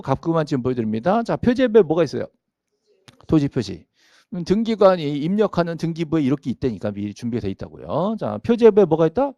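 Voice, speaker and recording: A man's voice: fairly high pitch, warm tone, dry recording, studio quality. A middle-aged man giving a classroom lecture on property registration law, asking himself questions and chuckling often. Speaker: real estate law lecturer.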